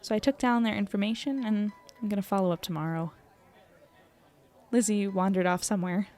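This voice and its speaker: A woman's voice: medium pitch, steady tone, a little fast, darkish tone, soft background music, close to an everyday voice. A woman playing an earnest, self-deprecating young podcaster, chatty and descriptive as she narrates her evening in an audio drama. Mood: admiring, composed.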